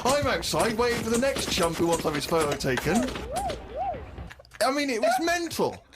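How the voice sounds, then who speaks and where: A man co-hosting a radio show, telling a comic story in an animated, exasperated way. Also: sits high, normal speed, loud music behind the voice. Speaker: radio co-host.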